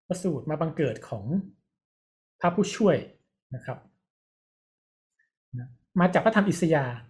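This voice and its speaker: A man's voice: on the high side, a little mellow. Male pastor giving a teaching sermon to his congregation, talks straight to them and keeps checking that they agree.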